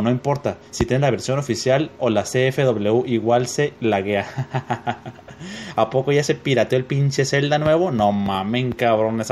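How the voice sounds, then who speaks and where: A young Mexican-accented man reads comments off his screen, cursing and joking between them at a mid-range pitch. It sounds like a home desk mic with a faint hiss underneath. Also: a little mellow. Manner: profane, joking, reads comments aloud with laughs. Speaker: gaming youtuber reading comments. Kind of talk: casual screen-reading commentary.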